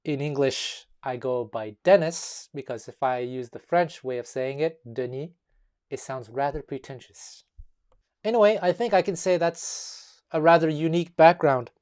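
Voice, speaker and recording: A man from Montreal whose first language is Taiwanese speaks to the camera in a measured video essay. He chooses his words carefully and often pauses on um and uh. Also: on the high side, darkish tone. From Montreal, Quebec, Canada. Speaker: guitar teacher and musician.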